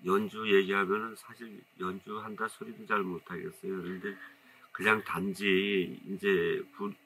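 This deep-voiced saxophonist guest, a man in his fifties from Jecheon, North Chungcheong, Korea, speaks at a moderate pace in a strong Jecheon dialect, rambling through stories in a relaxed, modest way during a casual interview. The audio is poor, with a little hiss or hum, captured by an off-camera mic in a seated two-shot at a curtained indoor studio.

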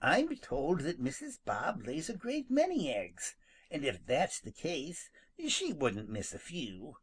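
A storybook narrator voicing a sly, good-natured male skunk who teases in a slow drawl. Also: mid-range voice, very animated, husky, heavily acted. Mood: teasing.

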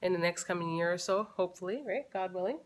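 A woman's voice: on the low side, fast talker, crowd noise. A woman in her thirties chatting casually to camera in her living room, thinking aloud with fillers and restarts. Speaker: family vlogger. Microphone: camera close in front.

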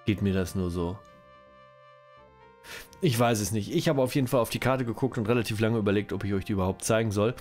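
A man's voice: lowish voice, a little fast, long pauses, darkish tone, faint music behind. A German-speaking man with a cold, giving rambling, self-correcting commentary while playing a strategy game. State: has a cold, coughing. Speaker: let's-play host.

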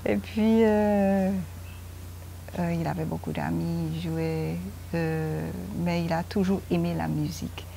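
A woman in her fifties from Guyana, interviewed on the veranda of a home. She speaks slowly and hesitantly in a fairly low voice, pausing often with fillers. A lapel mic picks her up, with faint ambience behind her. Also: fairly even intonation, creaky, dark tone, slight background noise. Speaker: interview guest, mother.

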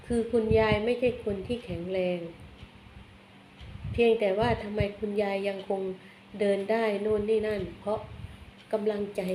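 A woman's voice: medium pitch, mellow. Chatty woman reading tarot, echoey room. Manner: chatty, blunt, ends phrases with polite particles. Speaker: tarot reader. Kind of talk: casual tarot reading monologue. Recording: echoey room, faint background noise.

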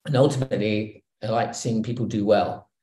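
A middle-aged man talks over a video call from a room with plenty of echo. His voice sits fairly low and has a mellow, dark tone. He muses aloud, restarting sentences and filling pauses with "um.". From Hong Kong. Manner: relaxed, reflective, many fillers and restarts. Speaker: guest executive. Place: home room. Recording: roomy video call audio.

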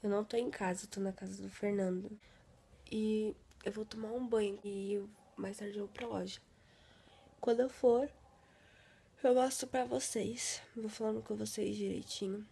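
A woman's voice: medium pitch, steady tone, normal speed, mellow, husky. A young Brazilian woman chatting casually for a vlog, congested from a cold with a sore, swollen throat. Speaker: vlogger.

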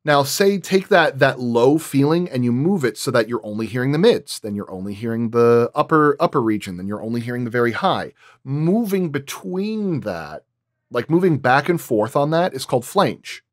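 Man explaining things in halting, casual talk. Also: mid-range voice, expressive. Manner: explanatory, halting, thinks aloud with examples. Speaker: sound designer guest.

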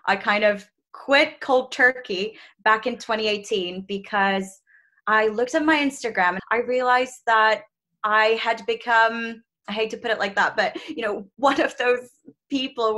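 Bright-voiced Czech woman on a video call. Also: mid-range voice. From Czech Republic. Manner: chatty, laughs often, lively. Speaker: travel content creator, guest. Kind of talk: candid video-call interview. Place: small room at home, indoors. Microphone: video call, laptop mic.

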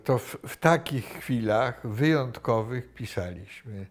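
An older man being interviewed, recalling the past slowly with many pauses and restarts, recorded on a lapel mic in a room. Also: mid-range voice, expressive. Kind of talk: reflective recollection. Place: indoor room with wooden cabinets.

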